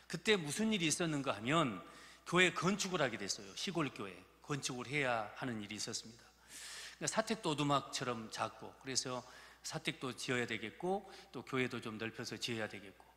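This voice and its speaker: A man's voice: mid-range voice, animated, brisk, sharp tone. A man in his fifties, a pastor with a Jeolla Korean accent, preaching a folksy, joking sermon to his congregation in a church. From Gurye, South Jeolla, Korea. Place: church sanctuary. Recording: reverberant church hall.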